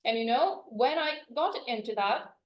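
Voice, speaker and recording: A woman's voice: fairly high pitch, lively intonation, moderate pace, dull audio. A woman from Lithuania, a native Lithuanian speaker and language educator, giving a chatty, informal conference talk full of "you know" fillers. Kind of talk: conference presentation. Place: conference room. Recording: echoey conference room.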